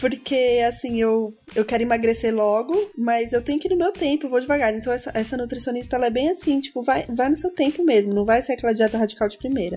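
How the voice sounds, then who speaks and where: Over noticeable background noise, a woman with a high pitch talks at a very fast pace with ordinary pitch variation. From Brazil, São Paulo. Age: 20s. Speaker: front-end developer. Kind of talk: casual chat.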